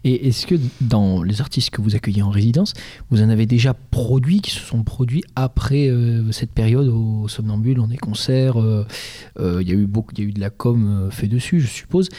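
A man's voice: on the low side, brisk, dark tone. A man hosting a casual interview, feeling his way through long, loosely phrased questions with a jokey touch. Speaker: interviewer, show host. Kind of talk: casual radio-style interview.

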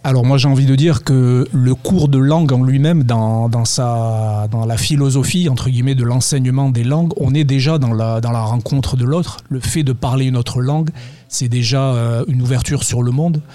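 A man who teaches English, giving measured interview answers with frequent restarts. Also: medium pitch, fairly even intonation, dark tone, no echo. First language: French and Arabic. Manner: measured, many restarts and hedges. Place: high school.

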